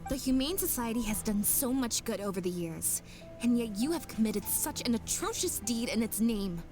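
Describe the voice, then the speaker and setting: A woman voicing a sharp young detective who calmly explains her deductions. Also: fairly high pitch, over music, lightly acted. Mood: accusing. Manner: measured, explanatory. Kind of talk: game voice acting.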